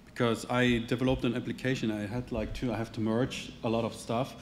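A man's voice: medium pitch, level tone, fairly quick, slight background noise. Hesitant man answering audience questions. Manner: hesitant, restarts and hedges. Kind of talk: casual Q&A at a tech meetup. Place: meetup venue, indoors, standing at a lectern.

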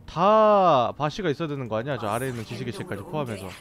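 A man's voice: mid-range voice, very animated, fast. A man doing casual game commentary as a streamer, grumbling and exclaiming coarsely.

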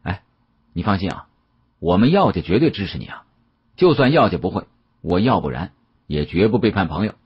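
A man's voice: low-pitched, very animated, brisk, long pauses, husky, dull audio, exaggerated voice. A man voicing a glib young heir to an antique-dealing family, talking in colloquial slang with bitterness underneath. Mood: earnest, pledging. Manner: colloquial Beijing slang, sighing.

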